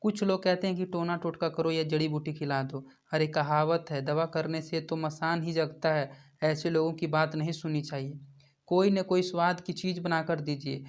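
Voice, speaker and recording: A man reading aloud the lines of an old woman who sells yogurt and grieves over her son, in his own even voice. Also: on the high side, lightly acted. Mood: advising. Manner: reads her words aloud in an even, unhurried teacher's voice.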